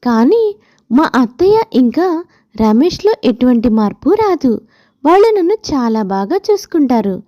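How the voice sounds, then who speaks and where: A high, animated storybook daughter-in-law, played by a woman narrator, aggrieved and defiant. She argues and complains with a mellow tone, on a slightly muffled recording. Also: normal speed. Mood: hesitant agreement. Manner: complaining, argumentative.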